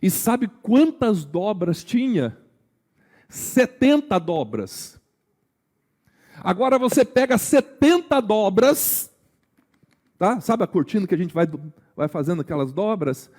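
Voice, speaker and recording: A Brazilian man preaching a sermon in a conversational way. He keeps asking his congregation questions, sometimes dropping to a slow hush and sometimes rising with energy. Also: sits high. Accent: Brazilian Portuguese. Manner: swings between hushed, slow emphasis and raised, energetic delivery. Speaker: pastor.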